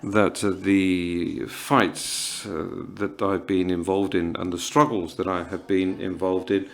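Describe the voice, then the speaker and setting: A man in his fifties from Morocco, speaking at a writers' panel in a halting, earnest way, with many pauses and fillers. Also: low voice, flat delivery, creaky. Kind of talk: reflective festival panel talk.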